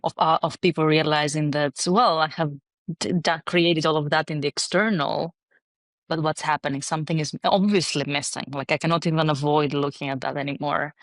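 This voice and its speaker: A woman's voice: low voice, fairly even intonation, a little fast, no room sound. Woman from Greece, podcast guest, thoughtful and reflective, dry close sound. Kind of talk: conversational interview.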